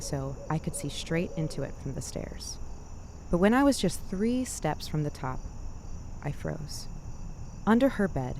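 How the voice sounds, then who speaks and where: A woman hosting a scary story show, narrating a scripted bedtime tale in a measured, deliberate way with dramatic pauses. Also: deep voice, a little mellow, slight background noise. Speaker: host of a spooky story podcast.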